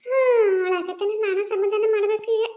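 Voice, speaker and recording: A woman plays a carefree female ghost in a cartoon, with a very high, squeaky-bright voice and a North Karnataka Kannada accent. She talks in a chatty, folksy way, soothing and coaxing a fellow spirit. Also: normal speed. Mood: consoling. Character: cheerful murdered female ghost, carefree and consoling. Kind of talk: cartoon voice acting.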